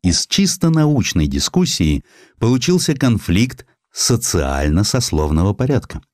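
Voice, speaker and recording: Male narrator, low-pitched, animated melody, dry studio sound, literary historical storytelling, expressive delivery. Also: no room sound. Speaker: audiobook narrator.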